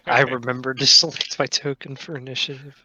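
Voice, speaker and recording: A man's voice: mid-range voice, little pitch movement, a little fast, sharp tone, a little hiss or hum. A man playing a tabletop game, joking and hesitant with fillers. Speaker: player. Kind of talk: casual tabletop play. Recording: dull lo-fi mic, dry.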